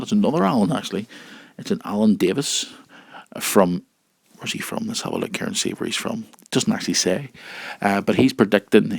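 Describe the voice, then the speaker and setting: Low-voiced man, husky with a cold. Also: a little mellow, dry recording. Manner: informal, addresses listeners directly. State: has a cold. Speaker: wrestling show host. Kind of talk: casual news and listener-mail chat.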